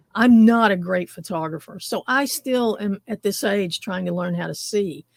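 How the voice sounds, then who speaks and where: An unremarkable speaking voice from a woman, medium in pitch with ordinary pitch variation, at a moderate pace, in a dry, close sound with no echo. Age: 60s. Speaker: webinar moderator. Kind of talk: webinar Q&A.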